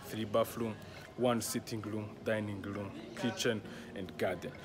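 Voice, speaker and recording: A man talks at a moderate speed while noticeable noise runs in the background. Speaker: house sale vlogger. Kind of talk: casual vlog chat. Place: street. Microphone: phone near.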